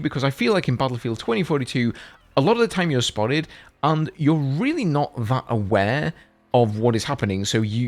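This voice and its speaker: Lively young man talking games. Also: medium pitch. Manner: chatty, reads out text then comments. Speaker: gaming content creator. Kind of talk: casual commentary video.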